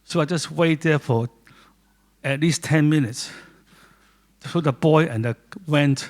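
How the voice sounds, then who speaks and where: A man with a Hong Kong accent, a native Cantonese speaker, giving a halting informal talk in English about his photo book to a small audience in a gallery. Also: a little high. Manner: halting, with many restarts and pauses. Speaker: guest speaker, doctor and photographer.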